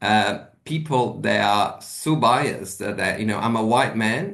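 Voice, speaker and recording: A man's medium-pitched voice with an Italian accent, ordinary pitch variation and audible room echo. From Italy. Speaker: panel speaker on art careers. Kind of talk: panel discussion answer. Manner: halting, many fillers and repetitions.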